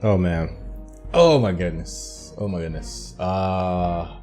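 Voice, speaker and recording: A man's voice: low voice, slow, mellow, faint music behind. A man giving casual commentary as the host of a gaming video.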